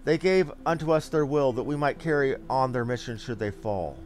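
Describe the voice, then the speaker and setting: A man's voice: medium pitch, normal speed, voice pushed down, natural voice. A man voicing a solemn ancient guardian from a fantasy game, speaking in formal, archaic phrases. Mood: grave, resolute. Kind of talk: fantasy game dialogue read aloud.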